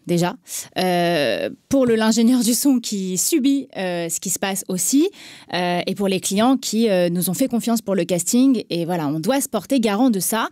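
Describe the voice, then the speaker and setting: A woman, a voice agent, explaining things in a measured way with many hesitations in a panel discussion. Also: mid-range voice, animated, a little mellow, dry recording, clean studio sound. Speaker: voice talent agent.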